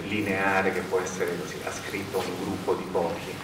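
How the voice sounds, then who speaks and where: A man talks at a moderate pace in a room with audible echo and loud background noise. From Italy. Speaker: museum curator, moderator. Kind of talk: moderated panel introduction. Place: hall.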